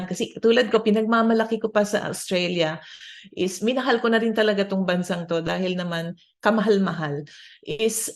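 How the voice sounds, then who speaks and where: A Filipino woman co-hosting a Christian radio show, chatting casually and mixing English into her Tagalog with many fillers. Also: mid-range voice. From Philippines. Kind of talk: casual radio chat, Taglish. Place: in Australia.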